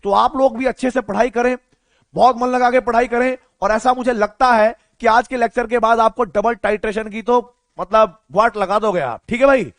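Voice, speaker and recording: A young man teaching chemistry in an online lecture, keeping his voice low and slow on purpose. He coaxes his students by asking them questions and then answering them himself. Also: steady tone, no echo. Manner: speaks softly and slowly on purpose. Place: home recording room.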